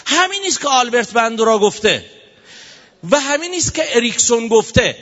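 A man giving a playful, animated sermon to a live audience, prompting applause, in a dull recording with long hall reverb. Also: very high voice. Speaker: religious speaker.

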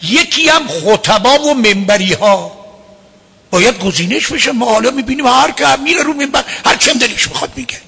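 A man giving a religious lecture as a cleric, emphatic and at times rising to a shout. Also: very high-pitched, lively intonation, vocal fry, husky.

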